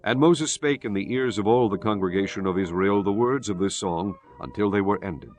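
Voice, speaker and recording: A man narrating scripture from a script in a solemn, formal and measured manner. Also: lowish voice, lively intonation. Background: music.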